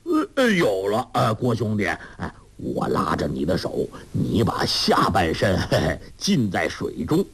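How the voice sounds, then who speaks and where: A man's voice: on the low side, wildly swooping pitch, measured pace, hardly any pauses, slightly rough, heavily acted. A man voicing a childish, mischievous old man who talks with lots of little grunts and giggles. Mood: playful. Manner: giggly, full of interjections.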